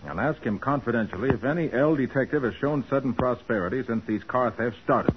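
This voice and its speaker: An actor playing a calm, commanding male private detective in a brisk, authoritative 1940s radio drama style. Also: mid-range voice, lightly acted. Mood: calm, firm. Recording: noisy, muffled old radio broadcast.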